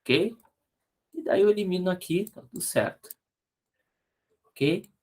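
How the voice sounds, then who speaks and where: A man's voice: high voice, a little mellow. A man with a Brazilian Portuguese accent teaching an online grammar lesson, explaining rules patiently and checking in with frequent tag questions. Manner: spells out letters slowly, corrects slide errors aloud.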